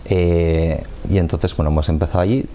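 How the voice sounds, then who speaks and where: A man, a football coach explaining his sport in a measured way during a TV studio interview on a lapel mic. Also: deep voice, fairly even intonation, mellow, a little hiss or hum. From Madrid, Spain. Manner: measured, explanatory, gestures with hands.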